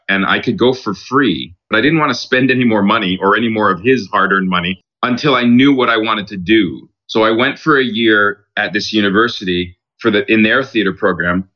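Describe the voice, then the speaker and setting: A man, a stage actor, telling relaxed, reflective stories as a podcast guest, with easy laughs. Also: fairly low pitch, moderate pace, few pauses, highs cut off. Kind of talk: conversational interview.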